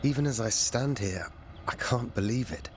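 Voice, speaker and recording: An actor playing an earnest, curious warrior in a fantasy video game, questioning and dryly skeptical. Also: male voice, mid-range voice, moderate pace, a little hiss or hum, close to an everyday voice. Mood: wondering. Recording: long reverb, faint music behind.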